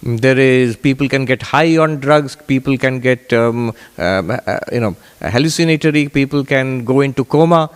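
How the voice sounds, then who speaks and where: A man teaching as a Hindu monk, answering questions in a deliberate, emphatic way with repeated phrases. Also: medium pitch, clear, resonant tone. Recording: echoey hall with long reverb.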